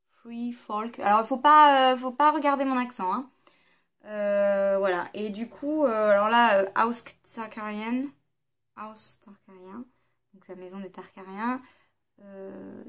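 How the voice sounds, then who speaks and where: A woman vlogger chatting casually through a makeup palette review, hesitant and full of fillers. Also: mid-range voice. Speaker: beauty vlogger.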